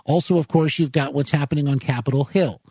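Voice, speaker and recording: This talk radio host's voice is a little high yet dark and husky, with a steady tone, captured in a dry recording on a studio mic. He remarks on the news in a rambling, halting way, full of fillers and corrections of himself.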